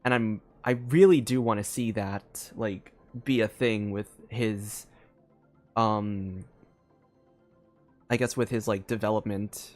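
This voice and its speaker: A man's voice: on the low side, fairly even intonation, takes it slowly, soft background music. Casual young male game streamer, thinking aloud. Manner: rambling, thinking aloud, filler-heavy. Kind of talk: casual live commentary on a game.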